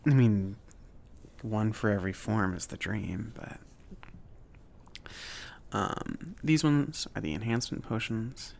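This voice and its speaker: Low, creaky-voiced man as a friendly, awkward shop mage. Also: darkish tone. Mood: friendly, hesitant. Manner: halting, casual, chatty, filler-laden. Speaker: ASMR roleplayer. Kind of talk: soft-spoken ASMR roleplay.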